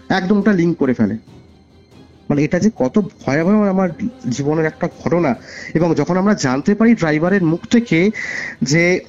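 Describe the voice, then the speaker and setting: A man with a fairly high, mellow voice and a West Bengal Bengali accent tells his story in an earnest, conversational way. He circles back on phrases to stress them. The sound is a dull, lo-fi call recording with music underneath. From West Bengal, India. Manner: earnest, repeats phrases for emphasis. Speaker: caller sharing a personal ghost story.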